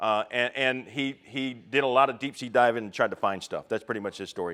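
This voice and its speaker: Speaking with an American accent, this man has a bright, sharp tone. His pitch is medium, with ordinary variation. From Washington DC area, Southern parents. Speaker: pastor. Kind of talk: sermon. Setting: university chapel with audience. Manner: halting, many repetitions and fillers.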